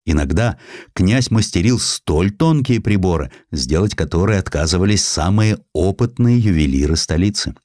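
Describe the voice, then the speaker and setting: A man reading a historical essay as an audiobook narrator, in an expressive, scripted literary style. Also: deep voice, moderate pace, dry recording, studio quality.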